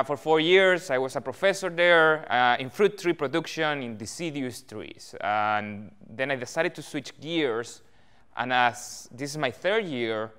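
Chilean man, thirties, smooth clear voice, friendly speaker, frequent fillers, meeting hall. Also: on the high side, a bit bright. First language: Spanish. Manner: friendly, many fillers, gestures with hands. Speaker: guest speaker, almond research manager. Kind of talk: presentation to growers. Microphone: far camera, no mic seen.

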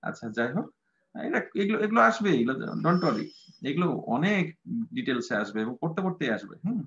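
A man's voice: a little high, very animated, fairly quick, a bit bright. A man teaching an English grammar class, patient and repetitive, with many fillers. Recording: dull lo-fi sound.

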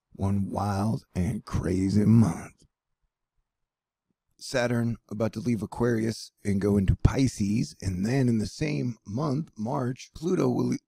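A man's voice: medium pitch, gravelly, mellow, husky, dry recording, studio quality. A man hosting his own news channel, giving loose, irreverent commentary with playful asides. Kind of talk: casual offbeat news commentary.

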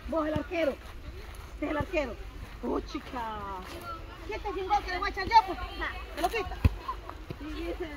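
A woman's voice: very high voice, expressive, moderate pace, pauses often. A middle-aged woman, chatting and teasing on a football field outdoors. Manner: chatty, teasing, laughing at herself. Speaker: vlogger. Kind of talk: casual chat. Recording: outdoor noise on a phone.

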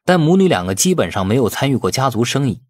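A man's voice: mid-range voice, big pitch swings, fast talker, no room sound, studio quality. A man narrating a novel as a scripted audiobook.

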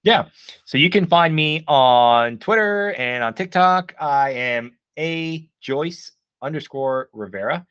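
A man's voice: on the high side, lively intonation, slow pace, fairly bright tone, smooth, no room sound, lo-fi sound. A man who is a guest, giving advice in casual live-stream chat, emphatic and filled with "like.". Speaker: guest, game writer.

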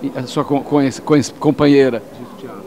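A male TV reporter with a Carioca accent, rattling off quick questions to passers-by and stumbling over his words, recorded on a handheld mic outside a theater at night. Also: mid-range voice, steady tone, warm tone. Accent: Carioca Portuguese. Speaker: TV street interviewer. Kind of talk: quick street interviews. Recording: noisy street ambience.

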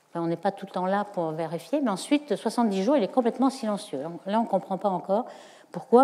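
A woman's voice: medium pitch, dark tone. A woman giving a university lecture, explaining step by step with frequent hesitations. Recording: lecture hall reverb.

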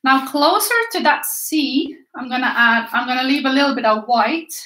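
A little hiss or hum sits under this high, pushed and bright voice, moving at normal speed. The speaker is a Swedish-accented art teacher in her thirties leading a live paint-along from an easel in a small, echoey room, encouraging and chatting with viewers and sometimes facing away from the camera a few feet off.

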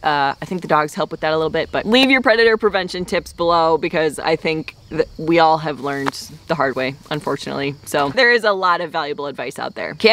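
A young woman vlogging outdoors on her farm, talking to the camera in a chatty, animated way and drifting into tangents. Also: on the low side. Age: young adult. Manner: chatty, tangent-prone, animated with hand gestures. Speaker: homesteading vlogger. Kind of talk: casual talk to camera. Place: outdoors on a grassy farm yard.

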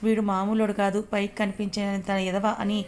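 A scolding middle-aged mother in a storybook reading, voiced by a woman. Brisk and flat in tone. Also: mid-range voice, a little hiss or hum, natural voice.

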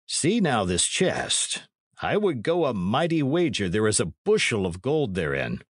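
Storybook soldier played by a male reader: blunt, unshockable, grasping, mid-pitched with lively swings. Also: unhurried, husky, no echo, studio quality, exaggerated voice. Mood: covetous, musing. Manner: plain-spoken archaic speech.

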